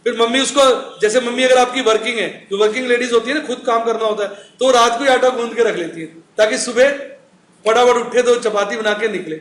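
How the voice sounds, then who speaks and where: A man's voice: very high-pitched, fairly even intonation, fast talker, fairly bright tone. A middle-aged man teaching accounts in a recorded classroom lecture, chatty, asking the class questions and answering them himself. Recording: echoey room with faint noise.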